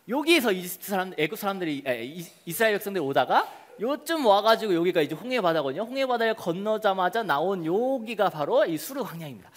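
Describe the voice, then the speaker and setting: A preacher giving a children's sermon, telling a story and acting out the crowd's voices with lots of questions to the kids. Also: male voice, sits high. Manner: lively, sing-song, calls out to children.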